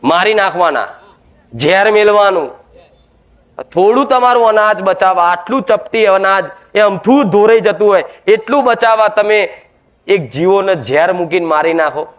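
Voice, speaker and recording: A man's voice: high-pitched, expressive, normal speed. A man preaching a devotional sermon, emphatic and scolding, full of rhetorical questions.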